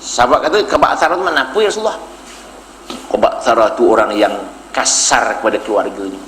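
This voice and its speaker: Animated Malaysian preacher in an echoey hall. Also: male voice, fairly quick, slight background noise. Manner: animated storytelling, jumps high in pitch for punchlines, laughs at own jokes. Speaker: Islamic preacher. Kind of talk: sermon lecture with humorous stories. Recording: echoey hall, faint background ambience.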